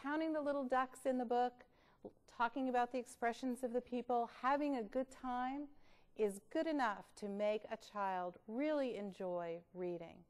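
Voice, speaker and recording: A woman presenting read-aloud tips in an expressive, instructional way, with deliberate emphasis. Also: fairly high pitch. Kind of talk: instructional talk with storybook reading.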